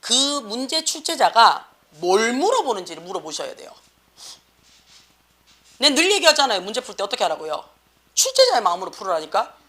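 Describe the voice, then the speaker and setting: Speaking briskly and pausing often, a middle-aged academy teacher with a Gyeongsang Korean accent lectures and scolds her students in blunt slang. Her fairly bright voice is fairly high and very animated.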